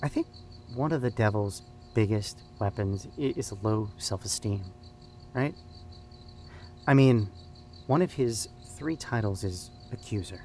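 An actor playing an earnest, thoughtful youth ministry leader, talking informally in a halting, searching way. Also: male voice, on the low side, darkish tone, a little hiss or hum, lightly acted. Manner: hesitant, searching, repeats words. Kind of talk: informal devotional discussion in an audio drama.

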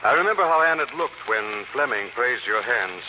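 A man's voice: mid-range voice, animated, normal speed, close to an everyday voice. A man playing a suave, self-assured amateur detective in an old radio drama. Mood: assured, explanatory. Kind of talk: 1940s radio drama acting. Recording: noisy dull old radio recording.

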